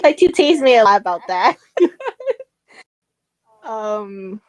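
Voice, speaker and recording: A woman's voice: medium pitch, lively intonation, takes it slowly, no room sound. A woman with an Asian American accent, chatting casually as a podcast guest, rambling with many ums and giggles. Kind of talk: casual chat.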